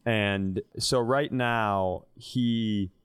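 A man's voice: on the low side, very slow, smooth, no room sound, clean studio sound. A man co-hosting a podcast, telling casual comedic stories, swearing freely and acting out dialogue in exaggerated voices. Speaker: podcast co-host.

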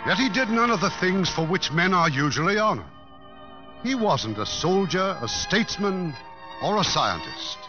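Old radio announcer guy, formal and grand, lively highish pitch, dull vintage recording. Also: moderate pace, music in the background. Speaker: radio theater host and announcer. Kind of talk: formal 1950s radio scripted narration.

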